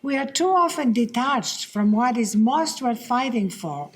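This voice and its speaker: A woman's voice: fairly high pitch, expressive, measured pace, slightly rough. A woman reading aloud from a motivational manifesto. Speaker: reader. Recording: faint background ambience.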